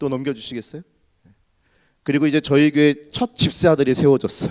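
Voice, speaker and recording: A man talks in an animated tone at a fairly quick pace, on a very clean recording with a silent background and a dry, close sound with no echo. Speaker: pastor. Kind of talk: sermon. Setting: church. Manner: fast when nervous.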